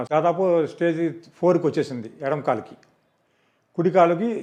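In a quiet setting, a man talks with a fairly high pitch that varies in an ordinary way. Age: 50s. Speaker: patient. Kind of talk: patient testimonial. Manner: halting.

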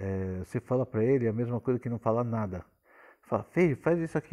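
Fairly quick speech from a man, with a quiet background. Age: 60s. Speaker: pastor. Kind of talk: recorded teaching talk to church parents. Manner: casual, repetitive filler-heavy delivery. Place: home room. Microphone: microphone placed very close; phone near.

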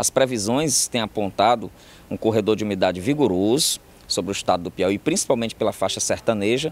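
A man's fairly low voice with ordinary pitch variation, in a dry sound with no echo. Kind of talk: interview answer. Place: street. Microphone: handheld.

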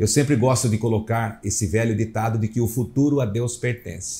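A man speaks at medium pitch in a somewhat breathy voice with a dark, mellow tone. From Brazil, São Paulo state (Santa Bárbara d'Oeste); São Paulo state, Brazil. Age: 50s. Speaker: city councillor-elect and journalist; city councillor-elect, journalist. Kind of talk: interview. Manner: hesitant, many fillers. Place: studio. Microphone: lapel.

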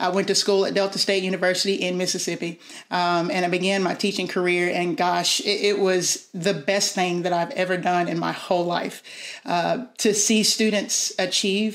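With a Southern US accent, a woman talks at a moderate pace with very even loudness and fairly even intonation over a quiet background. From US South. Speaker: band director. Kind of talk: panel discussion. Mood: warm, reflective. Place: home room. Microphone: webcam.

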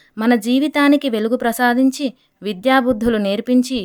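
A woman's normal speaking voice, fairly high in pitch with ordinary pitch variation, in a dry, close sound with no echo. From Telangana, India. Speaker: poet; school teacher. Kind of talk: poetry reading.

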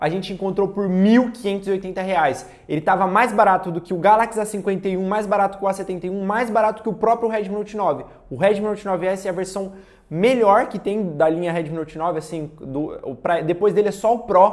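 The delivery has an animated tone and a fairly quick pace. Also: man, high pitch for a man. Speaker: tech youtuber. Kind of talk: deal roundup video. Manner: fast.

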